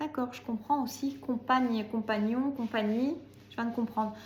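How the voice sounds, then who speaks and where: A soft-spoken woman talks at a high pitch with ordinary pitch variation. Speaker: spiritual channeler. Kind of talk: channeled message. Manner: slow, halting with many fillers.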